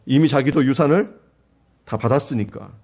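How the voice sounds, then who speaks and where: Animated Korean pastor preaching dramatically. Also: male voice, medium pitch, moderate pace. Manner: dramatic, acting out quoted voices with rising intensity. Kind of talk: sermon. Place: church.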